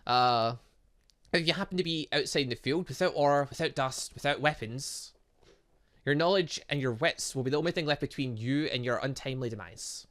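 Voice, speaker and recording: A gaming host voicing an excitable male professor who lectures a class in a chatty, rambling way in a visual novel. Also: medium pitch, normal speed, lightly acted. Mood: lecturing, upbeat.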